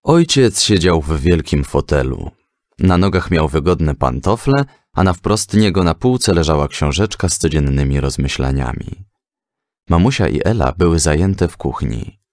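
A man reading a scripted children's story as an expressive audiobook narrator. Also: rumbling low, normal speed, dry recording, clean studio sound.

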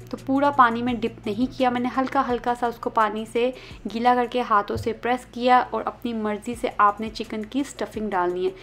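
A chatty woman narrates a cooking tutorial, explaining each step and answering viewers' common complaints. Her voice sits a little high, with soft background music under it. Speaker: cooking channel host.

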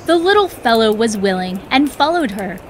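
High-voiced woman narrating a fairy tale. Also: sing-song, normal speed. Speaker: storyteller, narrator.

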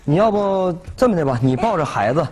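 A man's voice: on the high side, expressive, fairly quick, natural voice. An actor playing a boastful, flirtatious man in a sitcom, bragging and teasing. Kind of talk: sitcom acting. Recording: sitcom with loud background noise.

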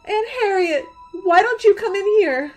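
Woman playing a high-pitched, frightened college girl. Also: lively intonation, faint music behind. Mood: panicked. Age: young adult. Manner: halting, breathless repetitions. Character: frightened, pleading college girl, easily panicked. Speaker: radio drama actor. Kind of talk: suspense radio play acting.

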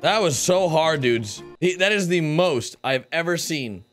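A young adult man with a fairly high voice plays a police officer in a casual game roleplay. His delivery is animated and slangy. Music and game sound run behind him. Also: a little slow. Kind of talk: casual gaming roleplay and commentary.

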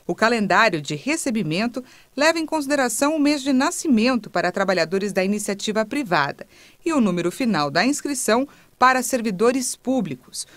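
A woman reporter reading a news report voice-over in a brisk, even narration. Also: a little high, dry recording.

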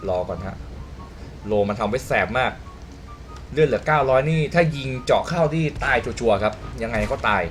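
A young man with a hoarse voice commentating a game replay in a casual way, explaining the mechanics and exclaiming at big shots. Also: mid-range voice, animated, normal speed, soft background music. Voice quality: hoarse from just waking up.

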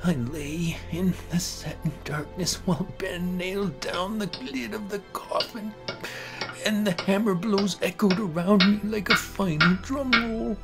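A man's voice: sits high, a little slow, music in the background. A man giving a brooding, theatrical first-person narration of a horror comic story. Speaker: narrator and amateur voice actor.

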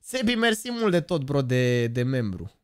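A man in his twenties, live streaming and chatting, hyper and joking, bursting into shouted catchphrases. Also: medium pitch, big pitch swings, heavy background noise. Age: 20s. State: over-excited. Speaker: gaming streamer.

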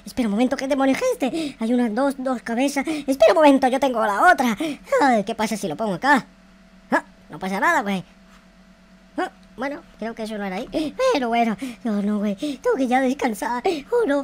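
A man with a Latin American accent voicing a naive, easily panicked boy in a video game roleplay, dramatic, whiny and full of exclamations. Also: very high voice. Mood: anxious. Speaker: gaming YouTuber. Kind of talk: excitable gameplay roleplay commentary. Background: music.

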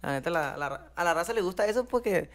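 A man's voice: high-pitched, lively intonation, fast. Slangy young man. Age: 20s. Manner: slangy, laid-back, laughs often. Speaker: band member guest. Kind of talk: casual chat.

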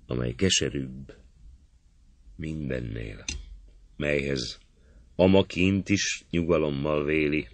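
A man reading an epic poem aloud in a measured, solemn manner for an audiobook. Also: rumbling low, dry recording. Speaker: audiobook reader.

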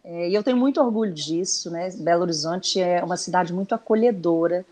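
Joining a casual TV chat by laptop video call from a small room, this guest musician from Brazil, a woman in her thirties, speaks with a Minas Gerais accent. Her fairly low, warm voice moves fairly quickly, and she is talkative and eager, using plenty of fillers.

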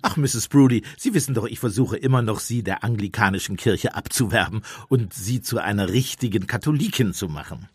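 An actor playing a genial, slyly inquisitive village priest in a radio play, courteous and gently probing. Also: male voice, lowish voice, a little fast, hardly any pauses, breathy edge, dry recording, studio quality. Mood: genial, flattering. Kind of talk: German radio play acting.

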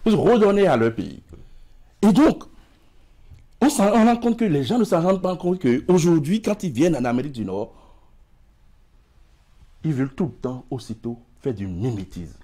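With long pauses at a normal speed, a middle-aged man with a West African French accent speaks in a fairly high, dark, animated voice. He is an emigration expert appearing in a TV studio interview on a lapel mic. His gestures are sweeping, and he stumbles over repeated words.

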